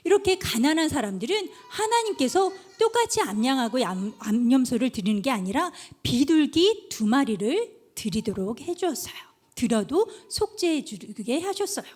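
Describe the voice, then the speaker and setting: A woman's voice: high voice, moderate pace, hardly any pauses. A woman preacher giving a children's sermon, telling little stories and speaking straight to the kids. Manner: animated storytelling, addresses children directly.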